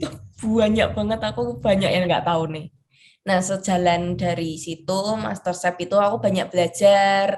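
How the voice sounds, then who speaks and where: A woman with a strong Javanese accent speaks with lively intonation. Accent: thick Javanese. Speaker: cooking show finalist. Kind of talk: interview. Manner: casual, chatty.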